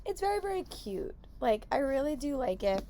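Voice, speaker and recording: A young woman vlogging casually about her reading, her voice hoarse and gravelly from talking all day at work. She sits a little high in pitch and chats in an upbeat way, full of "like" and restarts. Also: sing-song, moderate pace, dark tone, a little hiss or hum. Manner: chatty, upbeat, lots of "like" and restarts. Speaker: book vlogger. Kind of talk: casual vlog check-ins.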